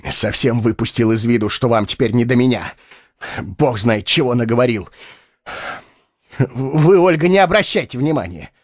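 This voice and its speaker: A man voicing an aging, heavyset male doctor in an audiobook, moving from a soft tender half-whisper to bitter shouting. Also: medium pitch, expressive, normal speed, pauses often, dry recording, natural voice. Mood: muttering remorseful. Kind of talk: audiobook character voice.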